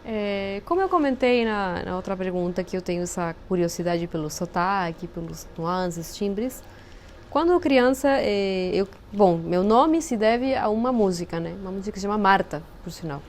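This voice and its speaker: In a casual interview chat, a woman from Peru speaks as a guest at a moderate pace with a medium pitch. She's a native Spanish speaker with a Spanish accent, thoughtful and explanatory, occasionally hunting for words, and there's slight background noise.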